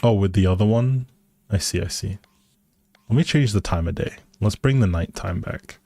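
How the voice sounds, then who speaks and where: A man's voice: lowish voice, normal speed, gravelly, mellow, dry recording. A man chatting casually on a game stream, musing aloud over small choices and answering his viewers. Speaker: live streamer. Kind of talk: casual chat while playing a building game on stream.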